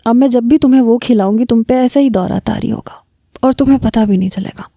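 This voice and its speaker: A cold, mocking young woman savors her revenge in this audio story, as a woman reader voices her. Her voice is dark and mellow, with no shine to it, and she draws out her taunts with cool relish. The sound is dry and close. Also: a little high, no room sound.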